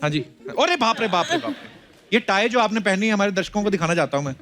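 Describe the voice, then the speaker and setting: A man's voice: sits high, animated, over music. Teasing male comedy show host. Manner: teasing, quick-witted. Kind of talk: joking comedy hosting. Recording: loud studio audience and noise.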